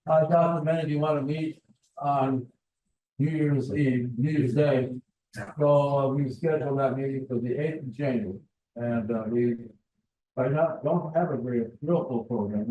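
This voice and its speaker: A man hosting a meeting, giving halting, appreciative closing remarks informally in a meeting room. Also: mid-range voice, fairly even intonation, warm tone. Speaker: meeting host. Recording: dull, echoey room sound.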